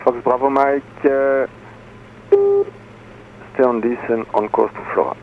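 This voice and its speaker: Controller on a tinny radio line. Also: male voice, medium pitch, fairly even intonation, measured pace, slight background noise. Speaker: approach controller. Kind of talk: radio clearances.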